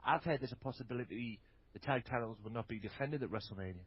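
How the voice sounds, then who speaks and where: A man talking as a guest on a casual wrestling podcast, excitable and stumbling over repeated words. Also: mid-range voice, quick pace, dull audio, slight background noise. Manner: excitable, stammers on restarts.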